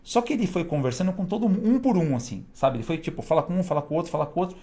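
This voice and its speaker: A man tells stories as a guest in an animated way, laughing now and then. He talks very fast. His voice sits a little high for a man. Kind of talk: casual storytelling.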